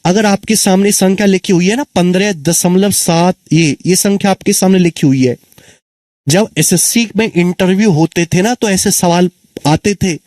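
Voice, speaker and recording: A man's voice: high voice, normal speed, a little mellow, dry recording. A man teaching an exam-prep maths lesson, who keeps repeating answers and asking his students questions. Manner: calls students children and friends.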